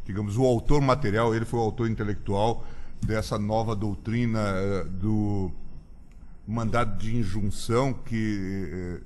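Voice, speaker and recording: A man chairing a lecture event, giving a formal, measured introduction with frequent hesitations. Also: lowish voice, a little mellow, slight background noise. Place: lecture hall.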